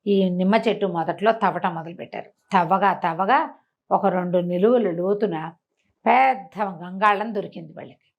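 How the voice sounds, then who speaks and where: A woman's voice: fairly low pitch, normal speed. A woman tells a folk tale conversationally, repeating phrases and slipping in small explanatory asides. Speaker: storyteller.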